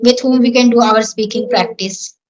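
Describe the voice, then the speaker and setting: A woman's voice: on the high side, steady tone, normal speed, darkish tone, dull audio. A young woman from Rajasthan with an Indian accent, a Marwari speaker answering questions on an English practice call, with careful, rehearsed sentences and fillers. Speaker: English learner. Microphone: online call.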